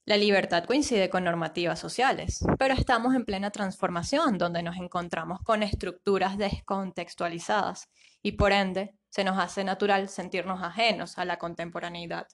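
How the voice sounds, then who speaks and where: A woman's voice: medium pitch, steady tone, moderate pace. Colombian woman, podcast co-host, reflective essay-reading delivery. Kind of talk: casual podcast chat, partly reading her essay.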